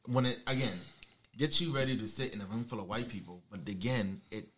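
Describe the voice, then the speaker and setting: A man's voice: mid-range voice, brisk, fairly bright tone, a little hiss or hum. An African American man in his thirties chatting casually and candidly in colloquial, freely sweary speech. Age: 30s. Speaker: panel discussion participant. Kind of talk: casual chat.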